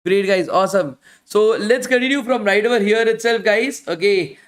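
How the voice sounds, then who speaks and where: A man's voice: sits high, moderate pace. A man teaching a live online bootcamp, answering questions in casual talk and losing his voice from speaking daily. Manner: casual, repetitive, ends phrases with "guys". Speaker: bootcamp instructor.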